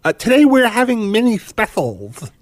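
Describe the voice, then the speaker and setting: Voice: medium pitch, huge pitch swings, normal speed, no echo. An actor playing an obsequious, flustered jeweler with pompous, flowery manners in an old-fashioned radio play. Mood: fawning, eager. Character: obsequious, flustered male jeweler, fussy and florid.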